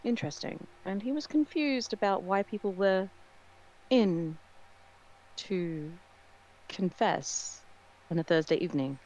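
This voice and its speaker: A woman's voice: mid-range voice, a little slow, pauses often, darkish tone, low-quality recording. A woman talking casually as a player in a tabletop roleplaying game.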